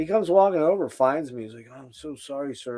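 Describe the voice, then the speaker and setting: A man speaks with lively intonation. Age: 60s. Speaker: metal podcast host. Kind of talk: casual chat. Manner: animated; halting.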